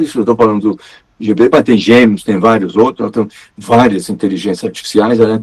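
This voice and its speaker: A man talks at a fairly quick pace. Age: 70s. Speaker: TV producer and media businessman. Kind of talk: interview. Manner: halting, with repetitions.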